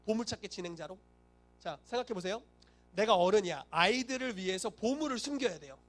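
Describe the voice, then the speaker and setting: High-voiced pastor telling a lively sermon. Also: male voice, fairly quick, faint music behind. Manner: animated storytelling, acting out quoted voices.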